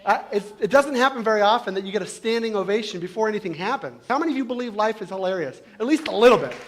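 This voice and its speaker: A man delivers a humorous motivational talk to a live audience in an event hall, his voice sitting high for a man. He is playful and keeps slipping into exaggerated comic voices. The room is echoey, with faint noise in the background. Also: lively intonation, racing. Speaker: motivational speaker.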